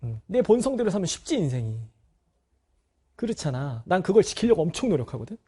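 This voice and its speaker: A man's voice: high voice, very animated, fairly quick, warm tone, slightly rough. A middle-aged male teacher talking candidly to his students, telling a personal family story and speaking straight to them. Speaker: Korean language teacher. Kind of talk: talk to students.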